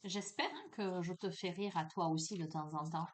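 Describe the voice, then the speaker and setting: A woman's voice: lowish voice, fairly even intonation. French-speaking woman doing a laid-back card reading, chatty, laughs a lot, lots of euh and hein. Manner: slow, drawn-out voice when reading card texts. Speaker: tarot and oracle card reader. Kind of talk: casual spoken card reading.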